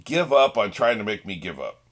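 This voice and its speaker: Low-voiced man giving casual reaction commentary. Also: big pitch swings, moderate pace, fairly bright tone. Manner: informal, swearing, musing. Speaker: reaction show host.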